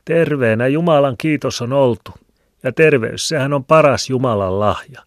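A man voicing a pious, whining old village woman with a squeaky voice, in a dry close recording. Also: dry recording, natural voice. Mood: pious whine. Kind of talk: audiobook reading. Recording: dry close studio sound.

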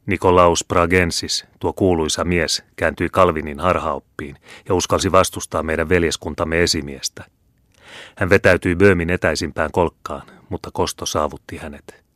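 A man's voice: low voice, steady tone, fairly bright tone, no room sound, studio quality. A man voicing a haughty, domineering older Jesuit superior who speaks in a scornful, commanding way in a storybook reading. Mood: stern.

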